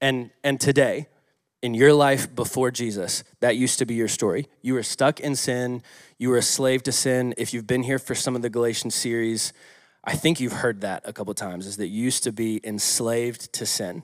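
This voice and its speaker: An unremarkable speaking voice, this man's medium-pitched delivery moves at a moderate pace with fairly even intonation in a very clean recording with a silent background. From US South, Atlanta, Georgia. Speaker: worship leader and guest preacher. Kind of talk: sermon. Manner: casual, conversational with fillers.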